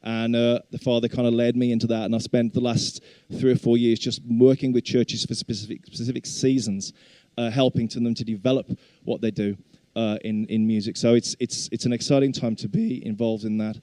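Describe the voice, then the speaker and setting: A man's voice: medium pitch, level tone, a little fast, dark tone, dry recording. A middle-aged man with a Black Country accent gives an informal sermon in a chatty, self-deprecating way. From English Black Country. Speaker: guest preacher and worship leader.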